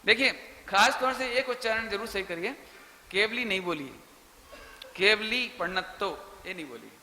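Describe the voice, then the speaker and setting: A man preaches in a question-and-answer session with a high, piercingly bright voice. He explains patiently and stretches out chanted syllables. The sound rings through a reverberant hall. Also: lively intonation, moderate pace, slight background noise. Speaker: Jain preacher. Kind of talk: religious Q&A discourse.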